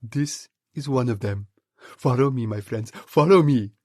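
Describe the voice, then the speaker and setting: A man voicing a clever, bossy monkey father in a storybook audiobook, with an excited, commanding manner. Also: mid-range voice, a little slow, no room sound, clean studio sound, close to an everyday voice. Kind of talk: audiobook character voice.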